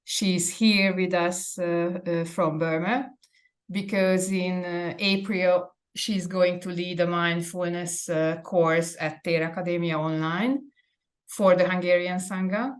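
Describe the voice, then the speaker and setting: A woman with a slightly low voice hosts an online interview. She talks politely and warmly thanks her guest, pausing often with fillers as she searches for words. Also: steady tone. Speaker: interviewer, host. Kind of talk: interview host.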